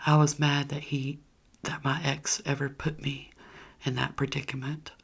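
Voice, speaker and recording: A woman's voice: rumbling low, level tone, moderate pace, vocal fry, breathy edge. A woman whispering a candid personal story straight to her viewers in a chatty, conversational way. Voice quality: whispering throughout.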